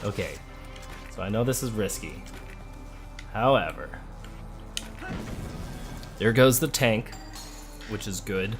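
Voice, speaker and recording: Male let's play host, lowish voice, conversational and thinking aloud, light music behind. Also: animated, takes it slowly, pauses often. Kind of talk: casual game commentary. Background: game music.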